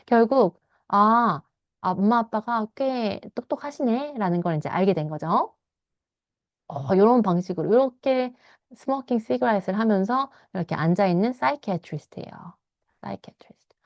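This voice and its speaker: A Korean woman teaching English by reading a novel aloud. She reads English lines slowly and explains them in fast Korean, sometimes acting out the characters in a higher voice. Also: lively intonation, no room sound, muffled recording. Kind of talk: bilingual read-aloud lesson, explaining a novel.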